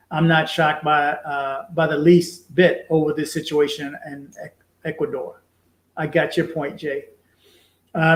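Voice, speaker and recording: A man hosts a casual live stream, reading viewer comments aloud and pausing on fillers as he goes. He talks in a chatty, repetitive way to drive his points home. His voice sits a little high, and the room around him is echoey. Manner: chatty, repeats himself for emphasis, many fillers. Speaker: livestream host reading viewer chat.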